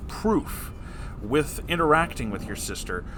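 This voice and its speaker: A man's voice: mid-range voice, expressive, measured pace, noisy background. A man hosting a letter-reading show, performing listeners' letters expressively and answering with wry, conversational advice. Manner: theatrical, wry asides.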